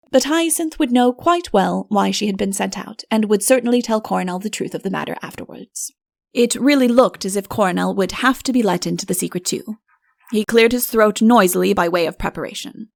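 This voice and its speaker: A woman reads a fairy tale as an audiobook narrator. Her voice has a noticeable creak. The storytelling is expressive, and the recording is very dry. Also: medium pitch, a little fast, no echo.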